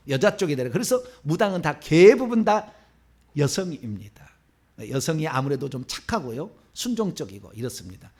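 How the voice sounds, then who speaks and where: A man's voice: a little high, husky. A man in his fifties from Seoul, a pastor preaching a sermon in church, asking the congregation rhetorical questions and chuckling in asides. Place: church sanctuary.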